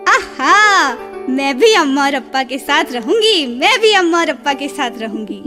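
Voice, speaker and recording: A woman's voice: high voice, animated, moderate pace, pushed and bright, soft background music. A female performer playing an innocent, outspoken little daughter of a poor family in a radio play. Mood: curious, cheerful. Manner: childlike, cheeky. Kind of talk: Hindi radio play acting.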